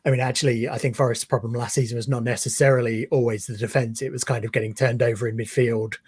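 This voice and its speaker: A man talking football as a guest on a video call interview, measured and thoughtful with many pauses. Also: medium pitch, flat delivery, darkish tone, slightly rough, dry recording. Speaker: guest, football fan page creator. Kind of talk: casual interview chat.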